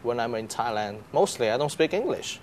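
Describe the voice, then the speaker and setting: A man's voice: mid-range voice, lively intonation, fairly quick. A young man, a student guest, answering interview questions casually, with fillers and laughs. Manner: chatty, laughs, uses fillers. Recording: faint background noise.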